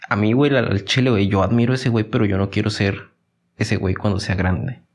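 A young man with a Mexican accent and a slightly low voice, talking on a casual podcast. He is slangy and excitable, his sentences packed with fillers. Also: fast. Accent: Mexican Spanish. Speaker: podcast co-host.

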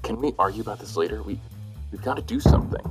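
An actor playing a nervous, cautious sidekick in a noir audio drama, hesitant and stammering. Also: male voice, fairly low pitch, lively intonation, fast talker, loud music behind the voice, lightly acted. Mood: urgent, worried. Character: anxious, cautious male sidekick.

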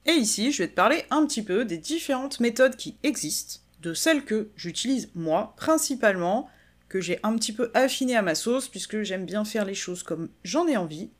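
A woman hosting a solo podcast, explaining work methods in a chatty, informal way and talking straight to the listener. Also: medium pitch. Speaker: podcast host, business coach.

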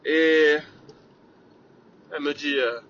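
Upbeat chatty man, slightly high voice. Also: takes it slowly, dull audio. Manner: energetic, chatty, many fillers, sprinkles English sales jargon. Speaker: podcast host. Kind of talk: casual solo podcast monologue.

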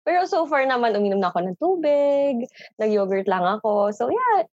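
A woman from Bohol, Philippines, a podcast guest in casual chat, giggly and animated. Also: a little high, normal speed, muffled recording.

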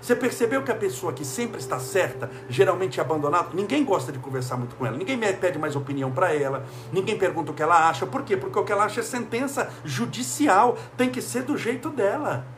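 A man's voice: sits high, animated, fast, few pauses, a bit bright, slight background noise. A man from Brazil giving a motivational talk, full of emphatic rhetorical questions. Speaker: speaker.

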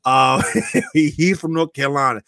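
A man co-hosting a casual podcast, animated and joking, with loud bursts of laughter. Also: fairly high pitch, normal speed, dry recording, clean studio sound. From northern US. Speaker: co-host.

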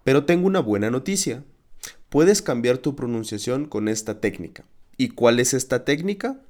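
A man hosting a podcast lesson as a Spanish teacher, speaking in a clear, encouraging, teacherly way. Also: medium pitch, lively intonation, normal speed, darkish tone.

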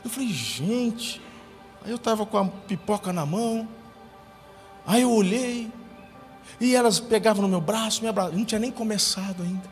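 A man's voice: high voice, moderate pace, long pauses, in a large hall, faint music behind. A man preaching a sermon as pastor, telling a story with acted-out quotes. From Brazil. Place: church hall.

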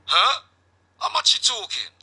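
A man voicing his younger self, an eager prisoner, in high, jumpy replies. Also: wildly swooping pitch, unhurried, sharp tone, breathy edge, heavily acted. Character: hungry, eager male prisoner, excitable and wired.

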